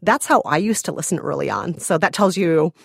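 A woman's voice: deep voice, expressive, fairly quick, vocal fry, husky, no echo, studio quality. Chatty woman with a Minnesota accent. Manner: chatty and enthusiastic. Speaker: podcast guest. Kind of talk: casual interview chat.

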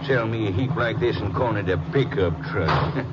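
An actor playing a cantankerous older farmer with a rural Texan accent, grumbling in folksy exasperation in a 1950s radio drama. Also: male voice, lowish voice, moderate pace, close to an everyday voice. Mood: indignant grumbling. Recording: noisy, muffled 1950s radio recording.

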